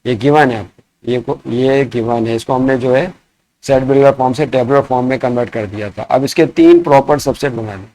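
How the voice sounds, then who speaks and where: A man teaching a math lesson. He asks his students questions and answers them himself, and he slows down to dictate each problem word by word. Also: mid-range voice, dark tone. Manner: mixes in English math terms. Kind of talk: classroom lesson explaining sets.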